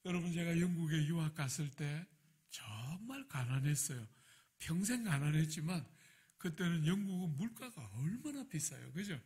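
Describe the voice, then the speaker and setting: A man's voice: fairly high pitch, animated, normal speed, darkish tone. A man preaching a sermon as a pastor, telling a personal story and acting out his own prayers.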